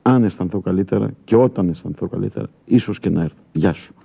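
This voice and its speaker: An actor playing a gloomy, self-absorbed husband in a TV sitcom, mournful and coaxing. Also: male voice, low voice, creaky, dark tone, slight background noise. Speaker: actor in a TV comedy series. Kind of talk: sitcom acting. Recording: dull broadcast audio with faint music.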